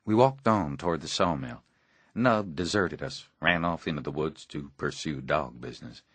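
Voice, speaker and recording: A man reading a novel aloud in a measured, plain first-person storytelling voice. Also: a bass voice, a bit bright, breathy edge, dry recording. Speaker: audiobook narrator. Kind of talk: scripted first-person narration.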